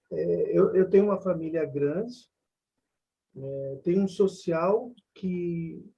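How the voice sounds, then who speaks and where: With long, frequent pauses, a man talks at a very slow pace in a high pitch, using ordinary pitch variation. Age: 60s. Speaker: class participant. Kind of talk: personal question in class. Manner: halting.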